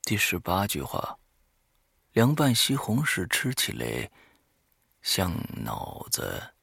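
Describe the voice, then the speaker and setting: A man's voice: low voice, huge pitch swings, slow pace, vocal fry, pushed and bright, husky, no room sound, studio quality. A man hosting a horror audio show, reading a diary aloud dramatically and breaking off for offhand, muttered asides.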